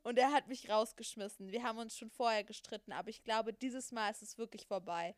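A woman voicing a self-pitying, snobbish mother in an interactive story, reading her lines in quick, flat asides. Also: on the high side, no echo, clean studio sound, lightly acted. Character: bossy snobbish mother asking to stay over.

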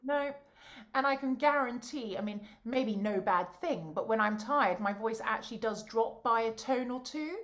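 A bubbly woman talks animatedly over a video call, laughing easily as she chats. Her voice sits fairly high and rings bright and forceful. She speaks as a singer and voice coach. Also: normal speed. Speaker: guest, opera singer and voice coach. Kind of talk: casual chat.

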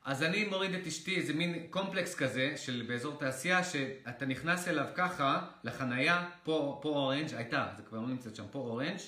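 A man telling viewers a personal story in casual talk, animated and excitable, slipping into excited outbursts and the odd swear. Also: a little high, few pauses. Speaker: motivational creator. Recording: echoey room.

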